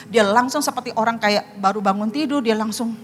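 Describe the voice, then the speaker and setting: A woman's voice: fairly high pitch, fairly quick, big-room sound. A middle-aged woman pastor preaching a sermon and telling a personal testimony, speaking earnestly and addressing the congregation directly.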